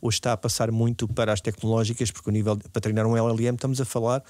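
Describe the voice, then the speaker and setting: Male interview guest, European Portuguese accent, tech executive explaining at a brisk clip, dry sound. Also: fairly low pitch, level tone, a little mellow, no room sound. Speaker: podcast guest, technology executive. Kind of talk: conversational interview answers.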